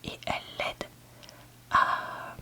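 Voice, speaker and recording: A book reviewer giving a candid, hesitant ASMR review in a soft library whisper, often searching for words. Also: extremely slow. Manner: soft library whisper, almost entirely unvoiced. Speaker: book reviewer, video host.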